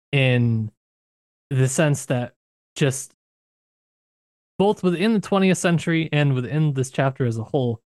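A man with a slightly high voice co-hosts a podcast about books. He speaks in a reflective, searching manner with many restarts, on a dry, studio-quality recording.

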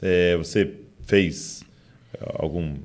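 A man's voice: low-pitched, steady tone, very slow, darkish tone. A man hosting a podcast interview, asking questions and backing up his guest with short affirmations. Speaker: podcast host.

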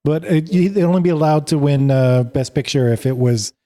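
A man's voice: a little high, normal speed, warm tone. A man on a podcast panel chatting casually, hesitant, with many fillers. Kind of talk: casual tech news chat.

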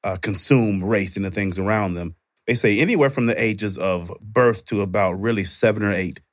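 A man with an African American accent speaks in a fairly low voice as a panel moderator. He lays out points conversationally, step by step, and frames them as questions for the group. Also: normal speed. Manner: explains step by step, checks with "right?".

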